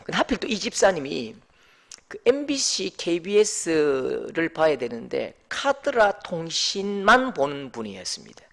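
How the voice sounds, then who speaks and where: A pastor preaches a sermon. He tells it like a story and acts out the dialect quotes. His voice sits high and moves up and down a lot. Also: a little slow, gravelly. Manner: storytelling with mimicked dialect quotes, lively and animated.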